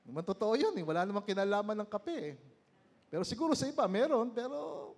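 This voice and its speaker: Male pastor, high voice, lively sermon with call-and-response questions and sudden drops to slow, quiet stress. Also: breathy edge. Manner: preaches in Tagalog mixed with English, asks the congregation questions; swings from loud exclamations to slow, low emphasis.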